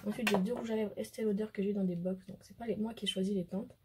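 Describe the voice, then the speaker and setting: Hoarse French woman, beauty vlogger, casual hesitant chat to camera, mid-pitched, faint hiss behind. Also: fairly even intonation, fast. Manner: chatty, hesitant, many fillers. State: hoarse, losing her voice.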